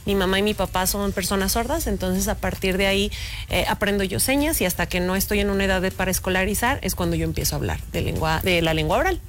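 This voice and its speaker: A woman, an interview guest, explaining and telling stories from her childhood in a warm conversational way. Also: medium pitch, quick pace, slight background noise. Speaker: sign language interpreter guest.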